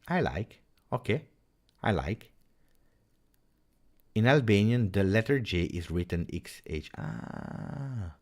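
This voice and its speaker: A man with an Italian accent chatting on a live stream as an emotional football fan, theatrical, with repeated phrases and dramatic pauses. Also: fairly low pitch, lively intonation, darkish tone. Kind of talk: casual live-stream chat.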